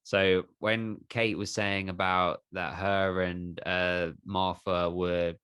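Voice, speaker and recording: A man hosting a podcast, asking questions in an earnest, musing way and building them up slowly. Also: deep voice, little pitch movement, a bit bright, clear, resonant tone, dry recording. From United Kingdom. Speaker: podcast host. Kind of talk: casual interview chat.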